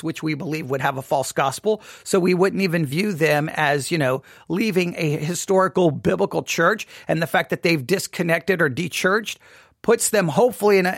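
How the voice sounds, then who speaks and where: A man's voice: high-pitched, fairly bright tone, no room sound, studio quality. A man hosting a solo commentary podcast, talking earnestly with repeated emphasis and frequent restarts. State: voice briefly giving out. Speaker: podcast host.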